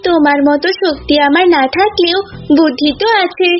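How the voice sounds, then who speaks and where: A woman's voice: very high-pitched, normal speed, muffled recording, soft background music. A woman voicing a clever, unafraid young cow in a cartoon folk tale, coaxing and politely reasoning. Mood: calm, bold. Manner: coaxing, reasoning, addresses listener as uncle.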